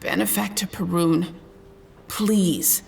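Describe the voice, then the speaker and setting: A woman's voice: fairly low pitch, fairly even intonation, slow pace, vocal fry, darkish tone, breathy edge, exaggerated voice. A woman acting in an audio drama as an earnest, persuasive, weary negotiator on a future colony planet. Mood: pleading, persuasive. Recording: music under the voice.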